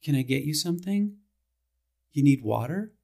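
A man acting a defensive, brooding small-town husband in an audio drama monologue, speaking haltingly and asking rhetorical questions with emphatic swings. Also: a little high, expressive, vocal fry, dark tone. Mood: troubled, brooding.

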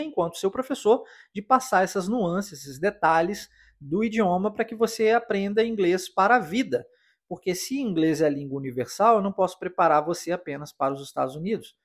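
Man, English teacher, a touch high-pitched, patient explaining, drills phrases. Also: husky. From Brazil. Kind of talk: podcast language lesson.

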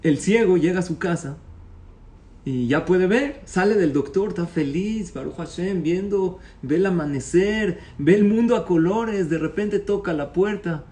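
A man telling a parable as a religious teacher, animated, acting out the characters and quizzing his audience. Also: high voice, measured pace, far from the mic. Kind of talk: storytelling sermon.

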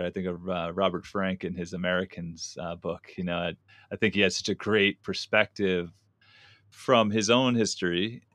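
A man hosting an interview podcast, asking questions in a halting way with many fillers and restarts. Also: deep voice, a bit bright, no echo. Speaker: podcast host. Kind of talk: casual interview.

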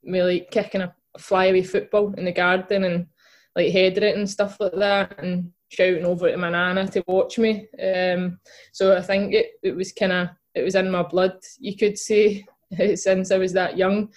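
A woman's voice: lowish voice, flat delivery, normal speed. A young woman with a Glaswegian accent, a guest chatting casually in an interview, with lots of fillers and restarts. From Scotland. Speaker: guest, footballer and podcast co-host.

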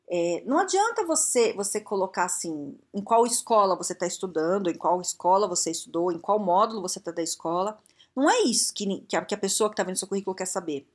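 A woman from Brazil giving frank, blunt career advice straight to the viewer, full of rhetorical questions. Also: fairly high pitch. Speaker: career and English-learning advice speaker. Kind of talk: casual direct-to-viewer advice talk.

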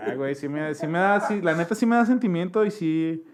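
A man's voice: a little high, expressive, brisk, background noise. A young man with a Mexican accent tells a childhood story in casual, slangy chat, jumping into voices to mimic people.

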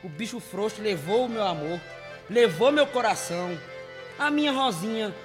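A man's voice: high voice, expressive, normal speed. A man playing an earnest, lovesick cowboy in a Brazilian radio play, speaking in a dramatic, pleading way. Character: earnest lovesick cowboy searching for his beloved. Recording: music behind, long reverb.

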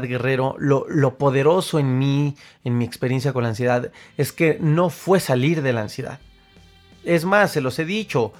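Male podcast host, Mexican accent, earnest emphatic monologue, mid-range voice, soft guitar bed. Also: medium pitch. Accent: Mexican Spanish. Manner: earnest, emphatic, addresses listener directly.

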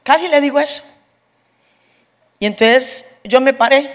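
Woman, middle-aged preacher, funny testimony, high voice, lively storyteller. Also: unhurried. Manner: lively storyteller, acts out voices, laughs often.

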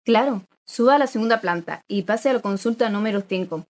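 A woman's voice: mid-range voice, fairly quick, natural voice. A woman playing a helpful hospital receptionist who speaks in a confiding tone. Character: friendly female hospital receptionist.

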